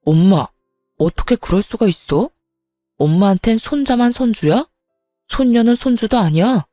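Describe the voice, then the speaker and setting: A woman's voice: fairly high pitch, lively intonation, moderate pace, dark tone, dry recording, faint music behind. A woman voicing an angry husband who confronts his mother with reproachful questions. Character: husband, angry middle-aged man.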